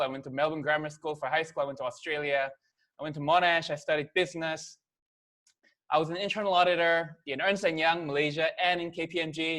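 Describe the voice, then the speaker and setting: A Korean man in his thirties, a native Korean speaker, delivers a business presentation to camera in a casual, chatty style. His voice is a little high with a fairly bright tone, and his talk is full of fillers and "okay?" check-ins.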